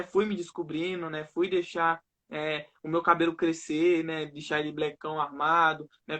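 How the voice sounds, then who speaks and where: A young Northeastern Brazilian man on a video call, his voice sitting a bit high for a man. He keeps his regional accent and ends almost every phrase with a tag question. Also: pushed and bright. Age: young adult. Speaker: guest. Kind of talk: personal testimony in a live interview.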